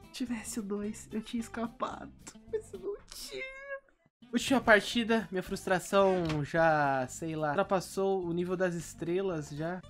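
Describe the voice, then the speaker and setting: A young man with a Brazilian Portuguese accent giving live gameplay commentary, constantly complaining in an exasperated way and now and then bursting into shouts. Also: high voice, lively intonation, normal speed, soft background music. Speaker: gaming youtuber.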